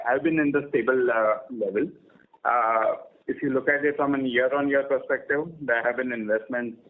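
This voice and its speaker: Guy finance exec, measured answers on an earnings call, phone quality audio. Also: medium pitch. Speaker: company executive answering analysts. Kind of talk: measured unscripted financial explanation. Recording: narrow phone-like conference audio.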